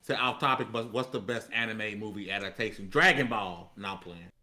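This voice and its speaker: A man's voice: fairly low pitch, moderate pace, bright, forceful tone. A man chatting casually on a group show, slangy and sweary, repeating points for emphasis. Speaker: panelist on a gaming talk show.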